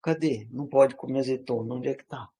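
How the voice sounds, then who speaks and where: A man with a Brazilian accent that is partly from Minas Gerais and partly rural caipira, giving an informal, animated lecture full of rhetorical questions. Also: medium pitch, a little fast. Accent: Brazilian Portuguese, part Minas Gerais, part rural caipira. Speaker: teacher.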